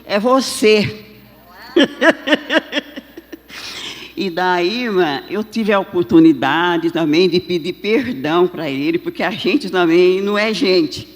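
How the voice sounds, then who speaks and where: A woman giving an emotional church testimony in a halting way, full of filler tags and restarts. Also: lowish voice. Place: large church hall. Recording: long reverb of a church hall.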